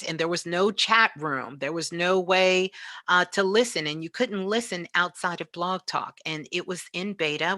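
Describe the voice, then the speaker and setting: A middle-aged woman with a lowish, bright and forceful voice. She talks casually as an interview guest, expressive and emphatic, often restating a phrase for weight. The sound is dry and close. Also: no echo. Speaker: guest, online radio show host. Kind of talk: casual spiritual interview talk.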